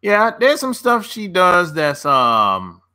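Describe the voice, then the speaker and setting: A man's voice: sits high, huge pitch swings, slow pace, pushed and bright. A man hosting a casual livestream, answering viewer comments in a laid-back, slangy way and laughing often between remarks. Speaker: dating coach and channel host.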